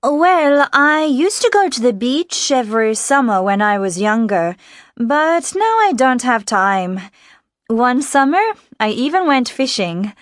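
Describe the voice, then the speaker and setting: A woman reading scripted answers and sentences for a listening exercise, in a clear, careful way. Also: a little high, expressive, measured pace, dry recording, studio quality.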